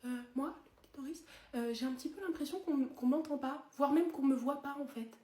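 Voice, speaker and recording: Lady doing a shy little ignored organ, super soft and hesitant, echoey. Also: sits high, brisk, natural voice. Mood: meek. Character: timid, ignored body part named Doris. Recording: roomy echo.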